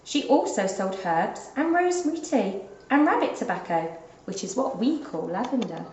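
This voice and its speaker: Animated woman reading in a roomy space. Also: fairly high pitch, a little hiss or hum. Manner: animated, deliberate storytelling. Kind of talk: expressive children's storybook narration. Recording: dull, roomy lo-fi recording.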